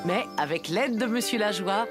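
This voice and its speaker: A woman's voice: mid-range voice, moderate pace, over music. A woman narrator reading scripted storybook narration for a children's cartoon.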